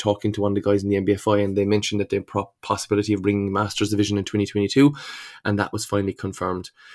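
On a very clean recording with a silent background, a man speaks at a fairly low pitch in a monotone, flat intonation. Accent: Kerry. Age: 40s. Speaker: bodybuilder and fitness coach. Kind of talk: solo podcast monologue. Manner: halting, many fillers.

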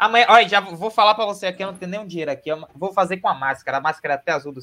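In a raised, projected voice, a man with a high pitch speaks in a bright, sharp tone. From Bahia, Brazil. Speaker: football analyst on social media. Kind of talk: casual football chat.

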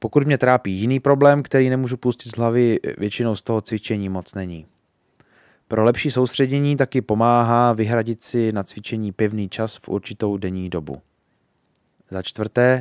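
A plain, everyday voice from a man at medium pitch, with ordinary pitch variation, a moderate pace and big swings in loudness, in a very clean recording with a silent background and a dry, close sound with no echo. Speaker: musician and music teacher podcast host. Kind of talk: reading aloud own article.

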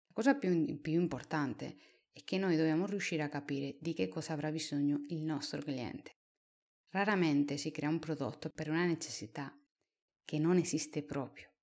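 A woman with a Spanish accent and a very deep, low voice, ordinary pitch variation and long, frequent pauses, on a very clean recording with a silent background. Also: moderate pace. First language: Spanish (speaking Italian). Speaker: marketing consultant podcast host. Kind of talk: solo educational podcast monologue.

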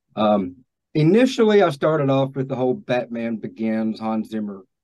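A man with an Appalachian accent speaks in a medium pitch with a dark, mellow tone. His intonation is lively. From Hazard, Kentucky. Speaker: music composer. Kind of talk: casual interview.

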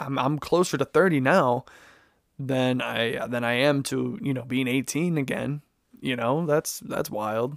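A man with a Chicago accent, medium pitch, ordinary pitch variation and a fairly slow pace. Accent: Chicago American. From Chicago, US Midwest. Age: 20s. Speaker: podcast host. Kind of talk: casual solo monologue.

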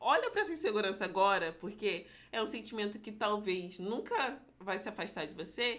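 A woman has an unremarkable speaking voice with fairly high pitch. She keeps a moderate pace with ordinary pitch variation. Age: 20s. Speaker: youtuber and podcast co-host. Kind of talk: casual chat.

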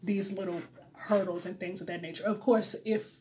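A woman's somewhat breathy, medium-pitched voice with an American accent, fairly quick and fairly even in intonation. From US Midwest, St. Louis, Missouri. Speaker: podcast guest. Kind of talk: casual chat.

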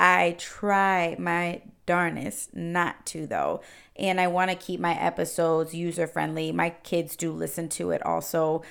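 A woman speaks at a fairly slow pace with an American accent. The recording is very clean, with a silent background. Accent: sounds like New York to listeners. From Cleveland, Ohio. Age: 20s. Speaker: podcast host. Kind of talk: listener Q&A monologue.

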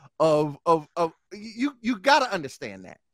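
The speaker is a man. The audio is very clean and the background is completely silent. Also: dry, close sound with no echo. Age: 40s. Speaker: podcast host. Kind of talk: casual chat. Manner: animated.

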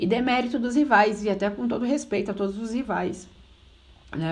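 A woman with a fairly high pitch speaks in an animated tone with ordinary pitch variation, and the room echo is audible. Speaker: football podcast host. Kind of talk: solo podcast commentary.

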